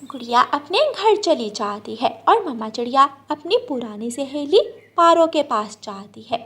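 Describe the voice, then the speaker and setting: A woman's voice: high voice, expressive, moderate pace, pushed and bright, husky. A woman narrating a children's cartoon story in a plain storytelling manner.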